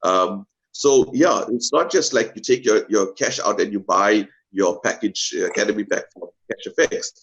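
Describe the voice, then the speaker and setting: A man's voice: lowish voice, normal speed, fairly bright tone, dull audio. A man speaking earnestly as a guest on a video call, hesitating with many fillers. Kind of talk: casual pitch talk.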